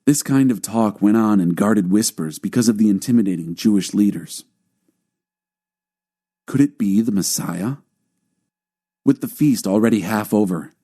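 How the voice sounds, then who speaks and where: A man's voice: on the low side, dark tone. A man reading scripture as a scripted audiobook narration.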